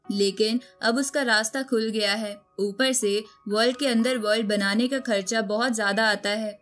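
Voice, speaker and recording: A woman reading a scripted story recap as a narrator, telling the events in storytelling style. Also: medium pitch. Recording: music bed under the voice. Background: background music.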